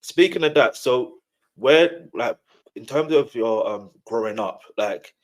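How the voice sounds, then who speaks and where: A man interviews in a relaxed, chatty style as host. His voice is of average pitch. He phrases questions informally, often restarting and rewording them. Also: unhurried, low-quality recording. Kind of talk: casual chat interview.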